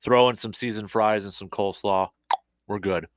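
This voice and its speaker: A male host chats loosely and plugs upcoming shows, trailing off into fillers as he goes. His voice sits low. The sound is dry and close to the mic. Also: normal speed, no echo. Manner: relaxed, rambling with fillers. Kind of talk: casual radio show chat.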